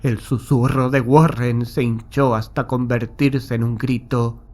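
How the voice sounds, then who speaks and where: A man's voice: mid-range voice, fairly even intonation, a little slow, very noisy. A man narrating a horror audiobook in the first person, with a solemn, literary, dramatic delivery.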